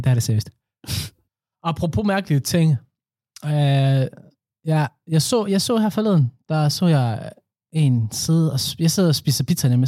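A man with a dark, mellow voice keeps the conversation loose and easy. He drifts between opinions and slang asides at his own pace. The recording is dry and close. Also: fairly high pitch, slightly rough, no echo. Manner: relaxed, chatty, mixes in English slang. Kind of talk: casual chat.

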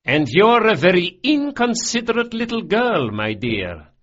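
An audiobook narrator voicing a genial, amused crime boss, a big middle-aged man, with a husky voice on a dull lo-fi recording. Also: sits high, sing-song, a little slow, a bit bright, voice pushed up, full character voice. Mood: indulgent. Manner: amused, indulgent.

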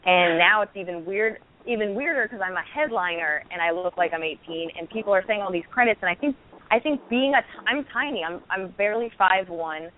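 A woman in her thirties, a stand-up comedian, telling stories candidly with quick restarts in a casual interview. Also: medium pitch. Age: 30s. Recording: tinny phone-like line with faint noise.

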